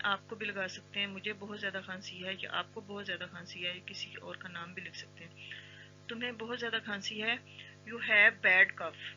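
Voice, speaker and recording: An English teacher who drills everyday phrases, repeating each one and saying the English lines very slowly and clearly. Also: mid-range voice, bright, forceful tone. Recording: slightly dull sound with faint background music.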